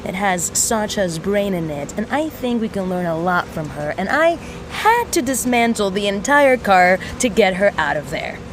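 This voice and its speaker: A woman playing an excitable young mechanic in an audio drama, theatrical, playful and prone to halting, rambling speeches. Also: mid-range voice, slight background noise, lightly acted. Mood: mock-grave, pleading. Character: excitable young tinkerer mechanic fond of explosions, scheming and playful. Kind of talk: audio drama monologue addressed to aliens.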